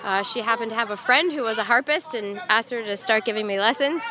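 A woman harpist from Ohio telling her story in a casual interview, friendly and quick to laugh. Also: a little high. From Ohio, USA. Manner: friendly, laughs easily, answers at length. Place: outdoor festival with crowd.

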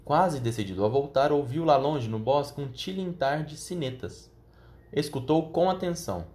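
A man narrating a children's storybook in a steady, measured reading voice. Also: fairly high pitch. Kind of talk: audiobook reading.

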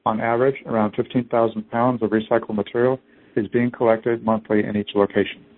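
Heard over a tinny, narrow phone line, a company executive reads a scripted business presentation during an earnings call. His fairly low voice holds a level tone, and he speaks a little fast.

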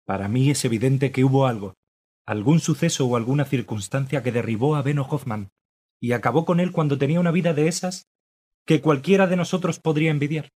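A man's voice: medium pitch, brisk, darkish tone, lightly acted. A man playing a matter-of-fact male informant in a radio drama.

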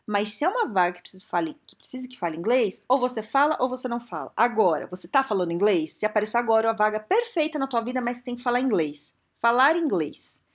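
Blunt, lively Brazilian woman giving advice. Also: fairly high pitch, quick pace, hardly any pauses. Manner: blunt, frank and emphatic, with many rhetorical questions. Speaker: career and English-learning advice speaker. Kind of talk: casual direct-to-viewer advice talk.

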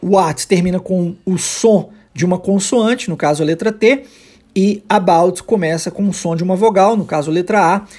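Husky male English teacher, Portuguese first language, patient, models phrases slowly for students to repeat. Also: high voice, a little mellow. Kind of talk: podcast English lesson for Portuguese speakers.

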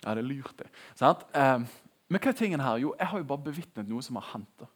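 Young guy preaching, loose and chatty, kinda raspy voice. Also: mid-range voice. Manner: conversational, animated, laughing at his own jokes. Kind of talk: sermon.

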